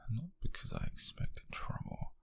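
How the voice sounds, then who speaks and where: A British man playing a possessive, obsessive, smug wealthy captor in an intimate ASMR roleplay, husky and whispery, speaking softly and deliberately close to the mic. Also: a little hiss or hum, lightly acted. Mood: teasing, possessive. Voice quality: breathy, husky, gravelly whisper. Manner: slow, deliberate, menacingly soft. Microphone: close microphone, dry.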